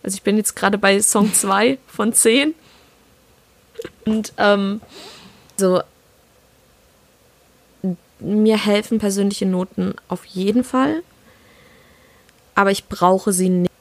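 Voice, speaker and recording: A young adult woman from southwestern Germany, co-hosting a podcast in casual chat, reflective and often halting as she searches for words. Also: mid-range voice, steady tone. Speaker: podcast co-host.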